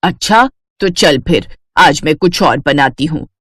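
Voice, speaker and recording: Woman doing a cruel scheming stepmom, medium low-ish female pitch, bossy and sly, storybook, very dry sound. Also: expressive, measured pace, fairly bright tone, slightly rough, no room sound, heavily acted. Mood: sly, coaxing. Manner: scolding, sly, condescending. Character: scheming, greedy, cruel middle-aged stepmother. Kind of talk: acted dialogue in a Hindi audio fairy tale.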